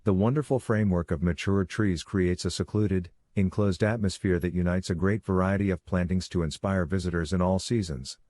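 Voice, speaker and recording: A man's voice: low voice, steady tone, a little fast, hardly any pauses, mellow, no room sound, clean studio sound. A man reading a formal practice passage aloud from a script. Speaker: model reader for an English test lesson. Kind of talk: scripted read-aloud of exam practice text.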